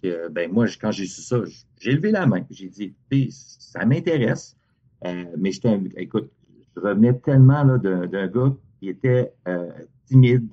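A man's voice: lowish voice, slightly rough, highs cut off. A man, a radio guest telling stories casually in a podcast chat. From Hearst, Ontario. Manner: relaxed storytelling, frequent restarts. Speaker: guest, radio music director.

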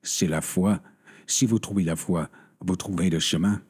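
An actor playing a gentle, devout parish priest in an audio drama, speaking in a calm, consoling manner with a husky voice. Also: male voice, deep voice, normal speed.

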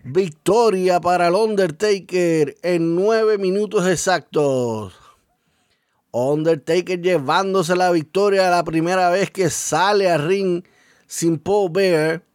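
A high-voiced man delivers wrestling play-by-play as a commentator. He goes move by move in short, slow phrases. The sound is close and dry. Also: darkish tone, dry recording.

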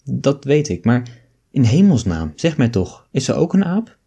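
A man's voice: mid-range voice, big pitch swings, measured pace, vocal fry, dark tone, slightly rough, voice pushed up, exaggerated voice. A man reading an audiobook, speaking as the bewildered male traveller in a flustered, exclamatory way.

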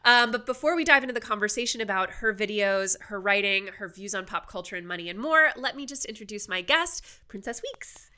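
Stuffed-up, nasal woman host with bright voice. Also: mid-range voice, animated, fairly quick, few pauses. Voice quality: blocked, nasal, hollow sound. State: congested, stuffed-up nose from a cold. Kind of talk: chatty show introduction and interview.

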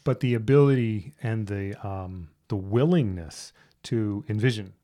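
A woman in her fifties in casual conversation, playful and quick to laugh at her own jokes. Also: rumbling low, warm tone. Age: 50s.

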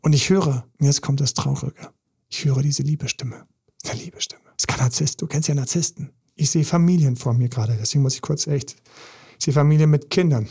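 Very husky, gravelly man. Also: fairly high pitch, a little fast, warm tone. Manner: emphatic, intense, with repetition. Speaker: relationship coach. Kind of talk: podcast monologue.

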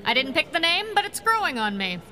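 A woman's voice: high voice, sing-song, brisk, sharp tone, full character voice. A young woman playing a cheeky, theatrical masked vigilante in a pulp radio drama, self-assured and showy. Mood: brash, showy.

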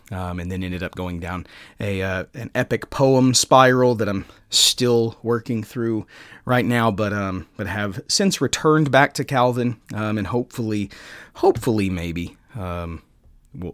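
A man hosting a podcast, talking casually and haltingly, with frequent pauses as he recommends books. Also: fairly low pitch, dry recording, studio quality. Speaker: podcast host.

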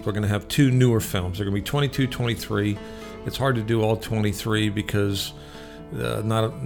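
A man's voice: on the low side, gravelly. An American man hosting his own radio show, chatting casually and informally in a self-deprecating way.

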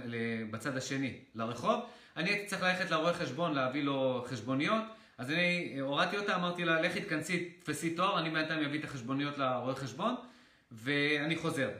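A man telling viewers a personal story in casual talk, animated and excitable, slipping into excited outbursts and the odd swear. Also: a little high. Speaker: motivational creator. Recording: echoey room.

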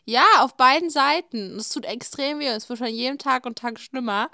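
A woman co-hosting a casual podcast, telling stories in an animated way and often laughing, on a close mic. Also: a little high, moderate pace, dry recording. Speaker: podcast co-host. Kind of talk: casual chat.

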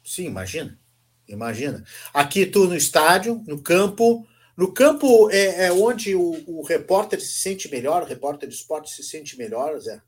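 A southern man hosting a relaxed radio interview, keeping the talk moving and greeting listeners. His voice has a husky edge and sits a little above the usual male range. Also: a little high, normal speed. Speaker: interview host.

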